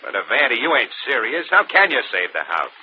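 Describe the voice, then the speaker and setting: Actor as sardonic gruff vaudeville husband, lively pitch, muffled old radio, faint hiss. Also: male voice, brisk, lightly acted. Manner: gruff, sardonic, tough-guy slang. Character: gruff, gloomy middle-aged former vaudeville husband. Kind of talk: 1940s radio acting.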